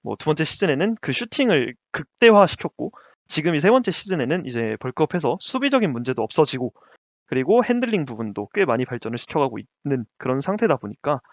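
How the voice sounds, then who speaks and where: Casting: animated male co-host, higher voice, dull dry lo-fi sound. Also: fast talker, no echo. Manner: lively, laughs often, stumbles over names. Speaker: podcast co-host. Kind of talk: casual basketball chat.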